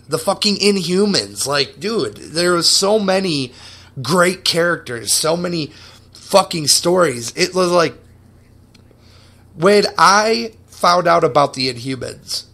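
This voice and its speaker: A young man hosting a podcast, casually telling a story with excited, profane enthusiasm. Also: a little high, vocal fry. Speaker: podcast host.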